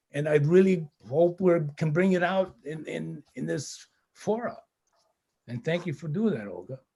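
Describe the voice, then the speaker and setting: At a moderate pace, a man with an American accent and a dark, mellow tone speaks in a high pitch with ordinary pitch variation, big swings in loudness, and long, frequent pauses. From Ethiopia then Ohio, US. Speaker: private sector developer, advisory board member. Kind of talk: panel webinar discussion. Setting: video call webinar.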